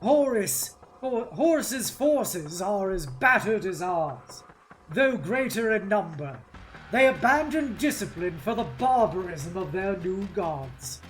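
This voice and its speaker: A woman takes on a resolute male military commander in a dramatic novel reading. The delivery is solemn and declamatory, with slow pacing and wide swings in pitch. Faint music sits behind the voice. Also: very animated, rough recording. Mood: determined, stern. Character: Dorn, grave resolute male warrior commander. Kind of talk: dramatic novel read-aloud.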